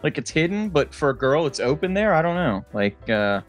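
A man's voice: a little high, sing-song, brisk, faint music behind. A man co-hosting a podcast, chatting casually with crude, joking humor. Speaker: podcast co-host. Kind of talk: casual comedic chat.

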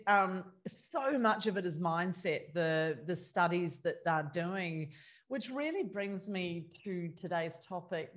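A woman in her fifties hosts a relaxed podcast interview. She talks in quick, chatty bursts and laughs easily between questions. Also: medium pitch. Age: 50s. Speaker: podcast host.

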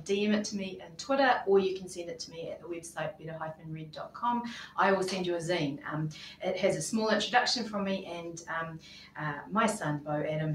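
A woman hosting a live podcast interview in a small office, chatty, with many ums and laughs. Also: fairly low pitch. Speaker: podcast host. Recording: roomy, distant mic, faint noise.

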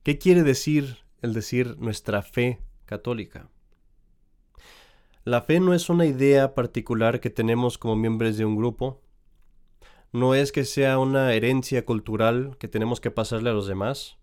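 A man, a priest, reads scripture in a measured, solemn way and then preaches a sermon, now and then correcting himself mid-phrase. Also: medium pitch, darkish tone, clear, resonant tone. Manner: measured, solemn reading with slips and restarts.

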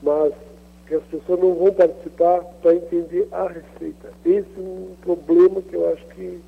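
A man calling in to a radio show over the phone, explaining his question haltingly with repeated examples. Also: sits high, flat delivery, creaky. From southern Brazil. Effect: caller heard over a phone line. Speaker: caller. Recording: tinny phone line.

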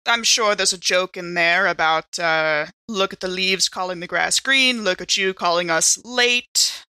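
A woman's voice: fairly low pitch, a little slow, pushed and bright, clear, resonant tone, dry recording. A woman playing a tabletop roleplaying game, chatting casually and playfully.

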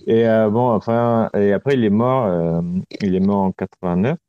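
A man from Romania, a guest speaking in a halting way and searching for words, heard over a remote call connection. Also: on the low side, clean tone, no echo. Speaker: artist guest. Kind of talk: casual interview talk. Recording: dull lo-fi call audio, dry.

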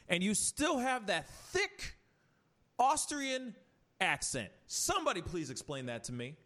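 Podcast host, male, lively swooping delivery, slightly high voice, riffs and rants with rhetorical questions. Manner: animated ranting, rhetorical questions, frequent restarts. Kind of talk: casual chat.

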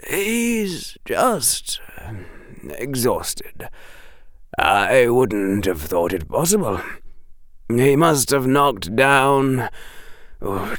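A man voicing a gentle, worried middle-aged male teacher who speaks quietly and seriously. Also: mid-range voice, no room sound, clean studio sound, pitched above the performer's own voice, full character voice.

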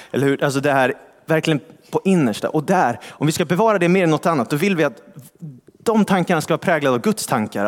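A male pastor giving a sermon in a church, with a conversational style, asking rhetorical questions and reading scripture slowly. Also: on the high side. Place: large church hall. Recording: long church reverb.

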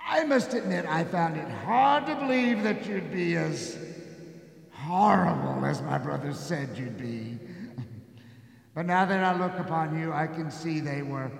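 High-pitched jolly giant spirit, echoey stage. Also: male voice, expressive, measured pace, creaky. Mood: amused, teasing. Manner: theatrical, hearty, chuckling between phrases. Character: jolly giant Christmas spirit, booming and teasing. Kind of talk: stage radio play acting. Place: theater stage before an audience. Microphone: shared stage microphone. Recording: echoey live stage hall with long reverb.

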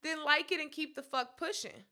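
A woman with co-hosts a casual talk show, blunt, profane and animated. Her voice sits high and has a sharp, bright edge. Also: moderate pace. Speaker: podcast co-host. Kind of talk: casual chat.

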